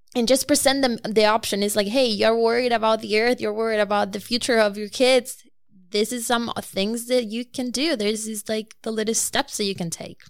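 On a very clean recording with a silent background, a woman speaks at a moderate pace. Her pitch is fairly high and her intonation fairly even. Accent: Spanish. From Chile, Santiago. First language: Spanish. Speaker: recent graduate, immigrant. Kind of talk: interview. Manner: halting.

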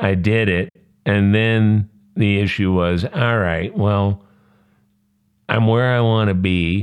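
A man's fairly low-pitched voice at a very slow pace. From New Orleans, Louisiana. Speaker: radio host and author. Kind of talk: casual chat.

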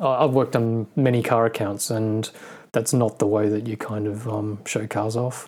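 This man speaks with an Australian accent at a medium pitch. His intonation is fairly even and his pace fairly quick. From Sydney, Australia. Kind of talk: casual chat. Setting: video call. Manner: laid-back, filler words.

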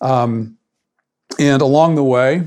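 A man with an American accent and a normal speaking voice, medium in pitch, with ordinary pitch variation, on a very clean recording with a silent background. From US South, South Florida. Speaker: business consultant and former accountant. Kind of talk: interview conversation. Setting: studio.

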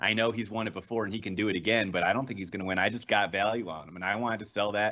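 His pitch is fairly low for a man. The intonation stays fairly even. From Cleveland, Ohio. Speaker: sports bettor. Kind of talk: casual interview.

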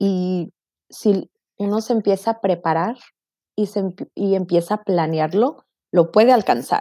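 On a very clean recording with a silent background, a woman with a dark, mellow tone and a medium pitch speaks at a fairly slow pace, with ordinary pitch variation and long, frequent pauses. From San Francisco Bay Area, born in Jalisco, Mexico. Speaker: business consultant. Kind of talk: interview.

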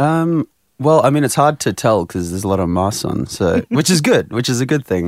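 A man with lively intonation in a very clean recording, the background silent. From South Africa, raised in Australia. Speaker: musical theatre actor. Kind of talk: casual interview chat. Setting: studio.

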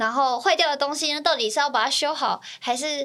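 This is a woman speaking with a Taiwanese accent. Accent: Taiwanese Mandarin. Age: 20s. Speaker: actress. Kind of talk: casual chat.

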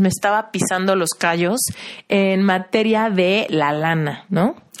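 A woman speaks with a Mexico City accent on a very clean recording with a silent background. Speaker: podcast host and branding entrepreneur. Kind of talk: solo personal narrative monologue.

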